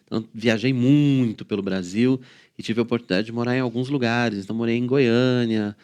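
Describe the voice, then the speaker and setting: A middle-aged man co-hosts a church news program in a relaxed, chatty way. He speaks quickly at an ordinary pitch, often repeating a word or two before a thought gets going. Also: clear, resonant tone. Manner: chatty, repeats words when starting a thought. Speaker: news show co-host, church elder. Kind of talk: casual on-air chat.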